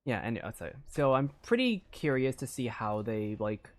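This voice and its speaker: A man's voice: medium pitch, very animated, normal speed. A man chatting casually on a gaming live stream, rambling and thinking aloud in a distracted way. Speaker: game streamer. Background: video game music.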